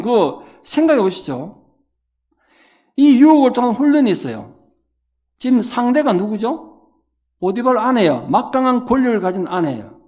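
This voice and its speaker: A middle-aged man, preaching a revival sermon and telling stories, acting out the quoted lines. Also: high voice. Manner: animated storytelling, acting out quotes. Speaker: pastor.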